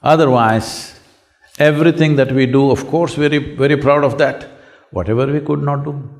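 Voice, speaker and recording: Hoarse Indian man talking to students. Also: medium pitch, steady tone, moderate pace. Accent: Indian English. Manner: rhetorical, asks the audience to agree. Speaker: spiritual speaker answering questions. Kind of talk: public talk. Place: large lecture hall with an audience.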